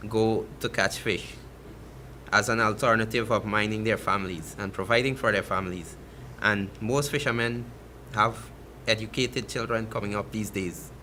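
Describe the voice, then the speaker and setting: A man with a Guyanese accent argues his case with conviction. His voice is bright and forward, with a faint hum behind it. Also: lowish voice. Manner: emphatic, passionate. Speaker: fishermen's representative for the region. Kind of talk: talk show guest.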